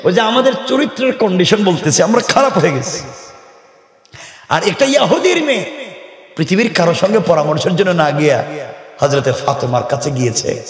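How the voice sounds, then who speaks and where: A male preacher, giving a loud rhetorical sermon into a microphone and prompting the crowd to respond. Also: high voice, animated, moderate pace. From Bangladesh. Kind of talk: sermon at a religious gathering. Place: large religious gathering. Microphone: microphone over PA. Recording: echoey hall, long reverb, PA.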